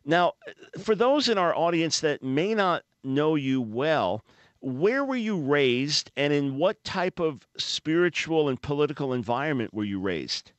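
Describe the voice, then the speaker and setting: A man hosting a radio interview, asking questions in a friendly, measured way. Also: a little high, big pitch swings, no room sound. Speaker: radio host.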